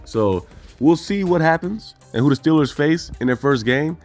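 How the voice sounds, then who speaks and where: A man's voice: fairly high pitch, expressive, moderate pace, a little mellow, soft background music. A man hosting a fan channel, talking through team news in a loose, rambling way and correcting himself as he goes. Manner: rambling, thinks aloud, self-correcting. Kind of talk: casual solo sports commentary.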